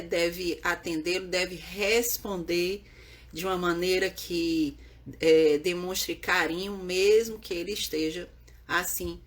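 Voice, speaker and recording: A woman who teaches parents about baby sleep, talking earnestly and often checking in with her listeners. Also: lowish voice. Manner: earnest, repetitive, checks in with "né?" and "certo?". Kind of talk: explaining to viewers on camera.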